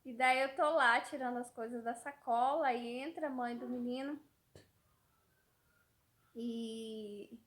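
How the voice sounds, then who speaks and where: A woman's voice: fairly high pitch, steady tone, slow, pauses often, a bit bright. A woman in her thirties from Brazil, telling a rambling everyday story to her vlog audience, often repeating words and trailing off. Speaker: mother vlogger.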